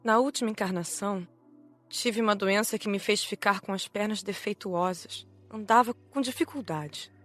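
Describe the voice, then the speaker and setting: A woman's voice: mid-range voice, normal speed, fairly bright tone, faint music behind, close to an everyday voice. A woman playing a resigned female spirit telling her story in a dramatised audiobook.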